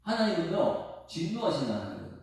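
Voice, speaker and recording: Male pastor, lively preacher who quizzes his flock; very reverberant hall, distant mic. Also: a little high, a little fast. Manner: animated preaching with questions to the congregation. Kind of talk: expository sermon at dawn prayer service. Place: church sanctuary. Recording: echoey room, mic far off.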